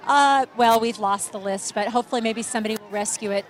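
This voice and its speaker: A woman's voice: fairly high pitch, fast. A woman giving chatty, enthusiastic live commentary on a street parade outdoors, sometimes losing her place.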